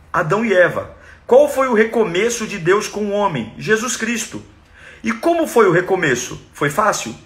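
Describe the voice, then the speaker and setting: Brazilian male preacher, high and bright, emphatic sermon delivery. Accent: Brazilian Portuguese. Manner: emphatic, acts out quoted cries dramatically.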